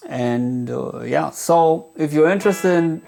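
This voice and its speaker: A man talking casually through a product demo as a gear reviewer, in a hesitant, halting way as if thinking aloud. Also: fairly high pitch, gravelly, mellow, faint music behind.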